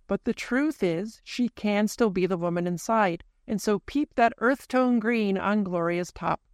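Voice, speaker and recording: Gravelly-voiced host with a dry sound. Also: mid-range voice, dry recording. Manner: deliberate, analytical, reads out timestamps. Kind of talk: video essay narration and casual chat.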